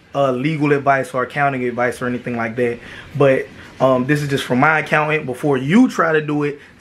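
A man at a fairly quick pace, fairly even intonation, light background noise. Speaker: small business owner vlogger. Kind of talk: casual vlog chat. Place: home room. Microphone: phone near.

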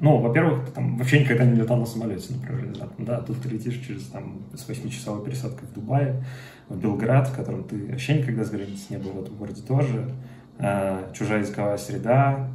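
A man talks at a very fast pace, his loudness swinging widely. Room echo is audible, along with light background noise. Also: medium pitch for a man, ordinary pitch variation. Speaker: Russian emigrant interviewee; interviewee. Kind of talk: street interview. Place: home room.

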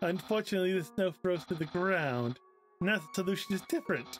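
Clear music in the background behind a put-on character voice. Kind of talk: comic overacting. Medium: virtual streamer. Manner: loud, boastful, enthusiastic.

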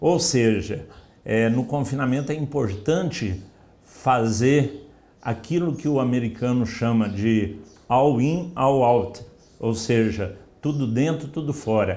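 A man with a dark, mellow tone speaks very slowly, keeping his loudness very even and his pitch variation ordinary. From Brazil. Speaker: professor teaching cattle feedlot management; course instructor. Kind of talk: instructional tutorial. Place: office. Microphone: lapel.

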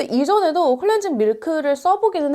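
A woman is speaking. Her pitch swings very widely. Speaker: beauty vlogger. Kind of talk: product review monologue. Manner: upbeat, fast-paced, animated.

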